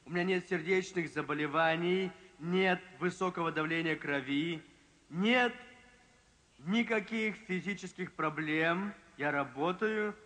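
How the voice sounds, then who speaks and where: A man preaching a sermon, telling a story with emphasis, slowing down and dropping low at dramatic moments. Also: bright, forceful tone. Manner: emphatic, slows and drops pitch for drama. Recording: long reverb from a large hall.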